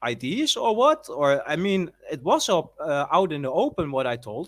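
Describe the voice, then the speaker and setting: The speaker has a Dutch accent. The pace is fairly slow. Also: man. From Netherlands. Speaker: guest on live stream. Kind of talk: casual chat. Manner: halting.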